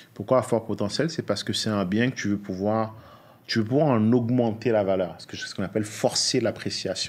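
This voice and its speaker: The pace is fairly quick. This male voice shows ordinary variation in pitch. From France. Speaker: real estate investor and trainer; trainer. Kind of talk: podcast interview. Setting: podcast recording. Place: studio. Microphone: studio mic.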